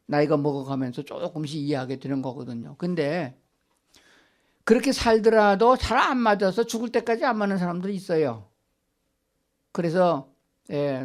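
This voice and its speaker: An older man preaching a Sunday sermon in a church, asking the congregation questions and answering them himself. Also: a little high. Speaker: pastor. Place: church sanctuary.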